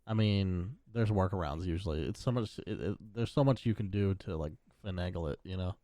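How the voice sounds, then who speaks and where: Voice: low voice, brisk, dark tone, dry recording, clean studio sound. A co-host of a gaming podcast chatting casually in a laid-back, hedging way with lots of fillers.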